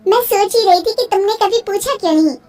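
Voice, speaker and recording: A woman's voice: very high voice, fast talker, a little mellow, soft background music. A woman voicing a young village bride in a cartoon, earnest and eager as she talks. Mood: eager, dreamy.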